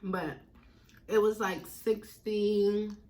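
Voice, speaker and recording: A woman's voice: medium pitch, fairly even intonation, a little mellow. Casting: American woman, mukbang host, casual and chatty, talking between and through bites of food. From northern United States. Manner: chewing while talking, with pauses to eat. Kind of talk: casual chat to viewers while eating.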